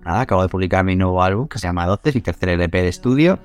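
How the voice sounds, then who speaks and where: A man from Spain with a low voice talks about his music in an interview. He is reflective and hesitant, repeating words as he searches for them. Faint music sits behind him. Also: animated, fast. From Albacete, Spain. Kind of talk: interview answers.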